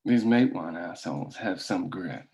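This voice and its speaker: A man's voice: low voice, animated, normal speed, darkish tone. A man playing a cold, calculating boss of hired strongmen, commanding and clipped, in a drama table read.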